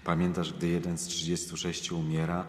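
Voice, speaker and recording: An actor in a radio drama playing a wise, eloquent monk who counsels with measured, fervent rhetoric. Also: male voice, low-pitched, completely flat delivery, lightly acted. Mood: consoling, earnest. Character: wise, philosophical male monk, fervent and consoling mentor. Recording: echoey hall reverb with music behind.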